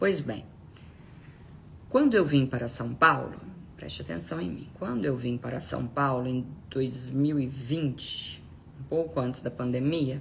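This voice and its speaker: The speaking moves at a fairly slow pace with long, frequent pauses. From Minas Gerais, Brazil.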